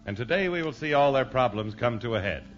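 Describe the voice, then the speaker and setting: A man, the show's announcer, introducing a sketch in booming, formal 1950s radio-announcer style. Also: animated, fast talker, a little hiss or hum. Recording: muffled 1950s radio transcription.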